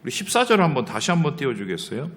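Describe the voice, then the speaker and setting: A man's voice: fairly high pitch, fast. A man preaching a sermon as pastor of his church, asking the congregation questions and acting out the lines of people in the story. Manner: lively, asks the congregation questions and acts out quotes. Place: church sanctuary. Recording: hall reverb from the church. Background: congregation reading aloud together.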